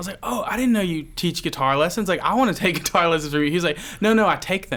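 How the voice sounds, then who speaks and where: Very fast speech in an American accent comes over noticeable background noise. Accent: Southern (Louisiana), comes out sometimes. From US South, Louisiana. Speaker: podcast co-host, worship musician. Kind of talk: casual chat.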